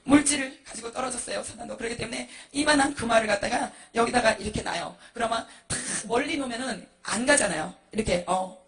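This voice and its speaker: A woman's voice: on the high side, fast, hardly any pauses, fairly bright tone. A woman pastor giving an emotional, dramatic testimony sermon, acting out the people in her story.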